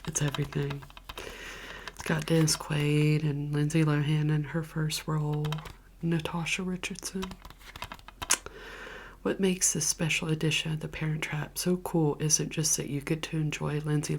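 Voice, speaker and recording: A woman softly whispering chatty, gushing movie recommendations as an ASMR vlogger. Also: deep voice, gravelly, slight background noise. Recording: keyboard clicks and typing behind voice.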